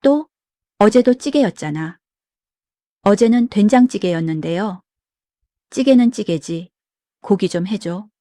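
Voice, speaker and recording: A woman's voice: mid-range voice, animated, warm tone, no echo, studio quality, close to an everyday voice. Woman reading as a grumpy old father-in-law. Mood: irritated. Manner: complaining, quick to take offense. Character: grumpy demanding elderly father-in-law, male.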